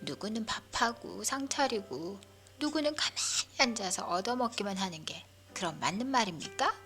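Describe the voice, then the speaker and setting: 여자가 연기하는 목청 큰 고집쟁이 아흔 살 할머니. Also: female voice, medium pitch, lively intonation, moderate pace, faint music behind, pitched above the performer's own voice, natural voice. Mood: indignant. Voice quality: loud, strong old voice. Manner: lamenting, repetitive rhetorical questions. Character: indignant, stubborn grandmother of nearly ninety, complaining loudly.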